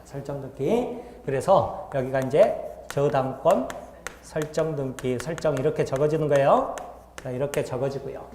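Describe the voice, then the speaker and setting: A man's voice: fairly high pitch, mellow, slight background noise. A man teaching a law class, explaining step by step and often checking in with the students. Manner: asks the class frequent check-in questions. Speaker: law lecturer. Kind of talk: classroom lecture. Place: lecture hall. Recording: roomy echoey lecture hall.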